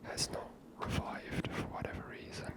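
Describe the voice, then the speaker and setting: A woman speaks entirely in a soft, breathy whisper. She comments on a video game in a casual, musing manner, as the host of an ASMR series. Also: normal speed.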